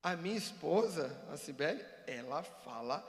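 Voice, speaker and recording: A man giving an animated, joking church seminar talk and acting out examples for the audience. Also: fairly high pitch, moderate pace. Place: church hall. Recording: long reverb of a church hall.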